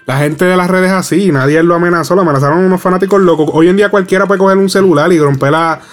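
A man's voice: high-pitched, very fast, faint music behind. A man co-hosting a casual entertainment news chat, joking crudely and laughing often. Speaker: podcast co-host.

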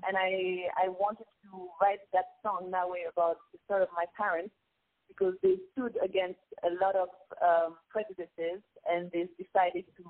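Congolese woman singer on a phone line. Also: on the low side. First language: Lingala. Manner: earnest, reflective, with hesitant restarts. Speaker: singer and guest. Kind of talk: casual interview chat.

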